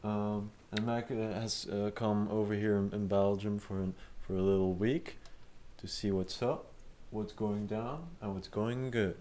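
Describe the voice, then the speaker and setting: Young guy host, lowish voice, rambly, lots of uh and um. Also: fairly even intonation, a little slow, hardly any pauses, mellow, a little hiss or hum. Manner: rambling, many fillers and restarts, casual swearing. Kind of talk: improvised casual commentary.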